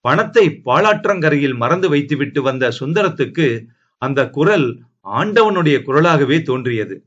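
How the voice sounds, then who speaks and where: A man reading a family novel aloud in a steady, measured storytelling voice. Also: on the high side. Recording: dull lo-fi audio.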